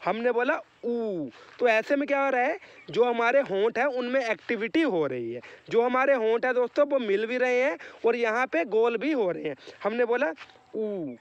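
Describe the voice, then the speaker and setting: A man's voice: very high-pitched, lively intonation, normal speed, dry recording, dull audio. A man teaching an exam-prep lesson, asking questions and answering them himself, drawing out letter sounds for viewers to repeat. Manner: repeatedly addresses viewers as friends, asks and answers own questions. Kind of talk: online lesson.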